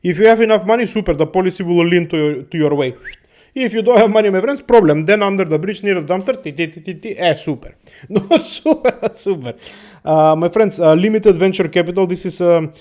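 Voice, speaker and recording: Speaking quickly in a high, darkish voice, a Balkan man hosts a loose monologue for his audience. He swears, laughs frequently, wanders off topic and keeps addressing everyone as "my friends."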